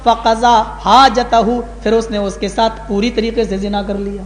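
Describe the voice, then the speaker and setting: A male Islamic preacher giving a sermon to a gathering, telling stories with passion and rising high on key words. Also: level tone. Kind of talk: Urdu sermon with dramatic storytelling. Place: large hall, live gathering. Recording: echoey hall with long reverb.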